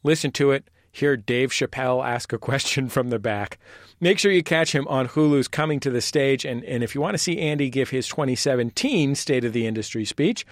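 Thirties male host, scripted radio narration, animated mid-range voice in a dry studio. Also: medium pitch, no echo. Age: 30s.

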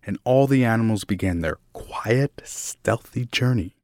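A man reading a children's story aloud in an expressive narration, slowing down for dramatic moments. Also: fairly low pitch, no room sound, clean studio sound. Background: soft classical music.

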